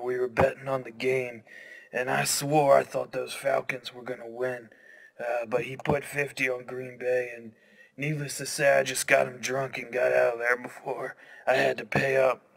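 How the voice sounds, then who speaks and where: A growling, put-on character voice at a moderate pace, delivered in a flat monotone. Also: man, medium pitch for a man. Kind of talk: prank phone call role play. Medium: role play.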